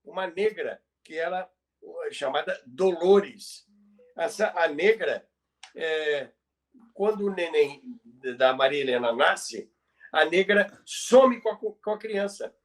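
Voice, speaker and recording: An older Brazilian man with a high voice retells a story in a conversational way. He takes his time, pausing often and repeating phrases for emphasis. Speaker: podcast host and storyteller. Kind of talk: conversational retelling of radio history.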